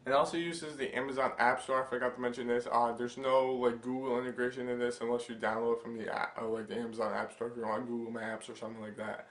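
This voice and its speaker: A young man talks through a gadget overview for his channel, his voice stuffy from a lingering cold. He rambles with lots of fillers and restarts, and his pitch stays flat and level throughout. The room around him sounds echoey. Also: fast, few pauses. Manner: rambling, filler-heavy, hesitant. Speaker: tech channel host. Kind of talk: casual product overview vlog.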